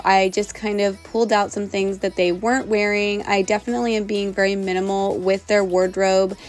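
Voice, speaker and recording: A young woman and mother giving a relaxed, chatty vlog narration while showing things around her small home. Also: mid-range voice. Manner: chatty, relaxed, explaining as she shows things. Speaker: vlogger, mother of three girls. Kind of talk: casual organizing vlog narration.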